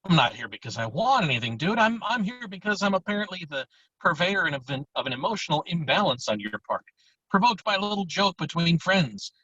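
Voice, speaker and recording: Casting: man as laid-back teen slacker pal, husky and lively in pitch, slangy table-read delivery. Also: a little fast, no echo, exaggerated voice. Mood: deadpan, casual. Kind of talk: amateur screenplay table read. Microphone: virtual table read over video call. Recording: dull lo-fi video call audio.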